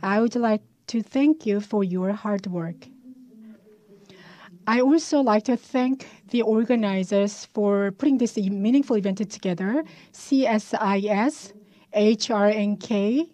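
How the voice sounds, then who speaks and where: Mellow-voiced woman interpreting a speech. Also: mid-range voice. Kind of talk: live spoken interpretation of a formal speech.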